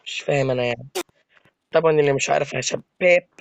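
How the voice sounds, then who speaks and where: A man's voice: medium pitch, very fast, gravelly, no echo, highs cut off. A man with an Egyptian accent giving live gameplay commentary, complaining to his viewers in an exasperated, joking way. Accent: Egyptian Arabic. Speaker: gaming video creator.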